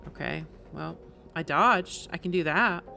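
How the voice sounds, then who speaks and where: A woman's voice: lowish voice, unhurried, gravelly, sharp tone. A woman giving casual, reactive live commentary as she plays a video game. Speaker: game streamer. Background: faint game music.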